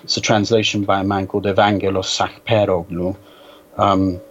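Low-voiced man on a dull internet call. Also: level tone, slight background noise. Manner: measured, hesitant, scholarly, precise. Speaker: interview guest. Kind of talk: reflective literary conversation. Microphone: Skype call.

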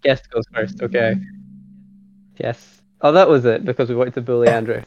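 A man hosting a film review podcast, relaxed and hesitant, leading the segments. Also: medium pitch, moderate pace, soft background music. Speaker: podcast host. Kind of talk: casual film podcast chat. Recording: dry, dull lo-fi sound.

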